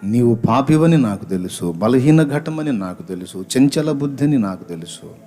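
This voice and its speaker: A male preacher delivers a dramatic sermon full of rhetorical questions and acted-out dialogues. His voice sits at an ordinary pitch, with faint music in the background. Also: lively intonation, normal speed, mellow.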